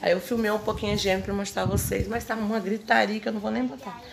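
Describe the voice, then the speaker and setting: A woman's voice: medium pitch, little pitch movement, very fast, vocal fry. A woman vlogging at home as a mother, chatting casually and calling out to her viewers. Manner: chatty, addresses viewers as "gente" often. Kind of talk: casual home vlog chat. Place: family home, indoors. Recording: noisy home phone video.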